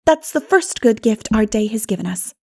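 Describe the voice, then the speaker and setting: A woman's voice: on the high side, lively intonation, normal speed, creaky. A woman reading an audiobook as an exuberant, dreamy young woman who talks in an earnest, gushing, flowery way. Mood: blissful, gushing. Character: Anne, exuberant, dreamy, poetical schoolgirl-spirited young woman. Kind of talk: audiobook character voice.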